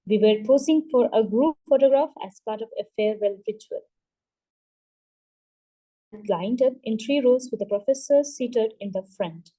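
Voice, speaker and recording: A woman hosting a book club, reading a memoir aloud at a steady pace and now and then stumbling and restarting a word. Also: fairly high pitch, rough recording.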